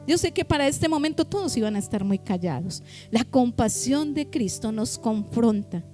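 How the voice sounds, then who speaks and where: A woman pastor delivers an impassioned sermon in a high voice, drawing out her key words for emphasis. Faint music plays quietly behind her. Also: animated, normal speed. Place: church.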